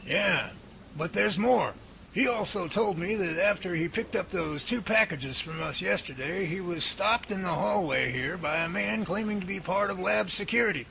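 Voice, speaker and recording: A man playing a professor who calmly reasons things out and takes charge, in an amateur radio drama. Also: high-pitched, normal speed, creaky, exaggerated voice. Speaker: professor leading a research lab. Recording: noisy amateur recording.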